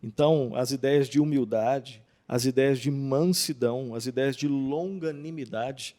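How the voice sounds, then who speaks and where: A man, a pastor, calmly explaining Bible passages in an interview and quoting verses with emphasis. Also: mid-range voice. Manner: calm, measured, quotes scripture with emphasis.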